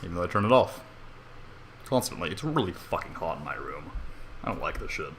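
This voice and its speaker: Young male amateur story reader, very lively pitch swings, sweary and self-mocking, casual bedroom recording with faint background noise. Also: fairly quick. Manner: irreverent, sweary, self-deprecating. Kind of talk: casual fan fiction reading with rambling asides. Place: bedroom at home.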